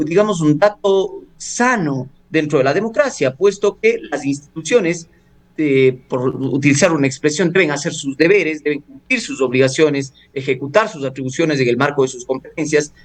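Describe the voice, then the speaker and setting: A man, a law professor giving formal, measured analysis in a radio interview, pausing with hesitations. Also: a little high. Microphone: studio or phone radio interview.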